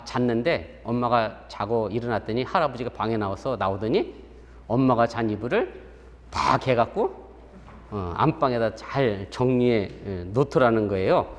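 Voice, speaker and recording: A middle-aged man from Korea, a pastor giving a conversational sermon, telling stories, acting out the voices he quotes and chuckling at his own anecdotes. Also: medium pitch. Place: church sanctuary. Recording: long church hall reverb.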